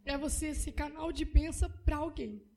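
A woman's voice: sits high, moderate pace, warm tone, rough recording. Emotional woman giving church testimony. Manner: emotional, repetitive storytelling.

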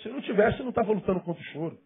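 A man preaching a sermon as pastor, climbing to emphatic questions and dropping to hushed asides. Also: high voice, expressive, rapid-fire, vocal fry, breathy edge. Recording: tinny phone-like sound with faint music behind.

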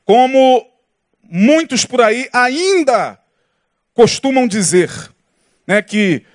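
A man's voice: extremely high pitch, very animated, extremely slow, no room sound, studio quality. A man with a Brazilian Portuguese accent preaching a sermon as pastor, peppering the congregation with rhetorical questions. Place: church service with congregation.

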